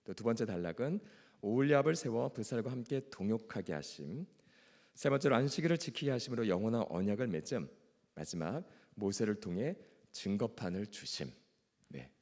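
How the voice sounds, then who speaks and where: A man's voice: fairly low pitch, lively intonation, brisk, darkish tone. A male pastor with a strained, ailing throat, teaching a Bible class in a formal, earnest way. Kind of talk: Bible lecture with reading and prayer. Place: church hall. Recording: long echoing hall reverb.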